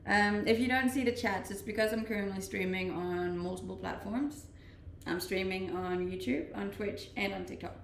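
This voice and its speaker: A woman's voice: mid-range voice, steady tone, normal speed, vocal fry, hardly any pauses, recorded from a distance. A woman in her twenties from Denmark, live streaming and chatting casually with viewers while reading comments, laughing often and restarting her sentences. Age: 20s. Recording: roomy echo, voice off-mic, faint noise.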